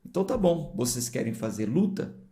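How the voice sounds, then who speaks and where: A man's voice: mid-range voice, big pitch swings, brisk, mellow. A man from São Paulo with a São Paulo accent, a pastor reading the Bible aloud and explaining it in a conversational way with informal asides to his viewers. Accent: São Paulo Portuguese. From São Paulo, Brazil.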